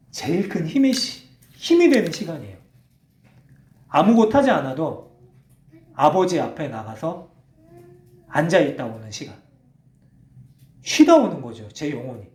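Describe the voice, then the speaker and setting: A man's voice: fairly high pitch, darkish tone, a little hiss or hum. A man preaching a sermon as pastor, earnest and conversational, speaking directly to his congregation. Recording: echoey church hall.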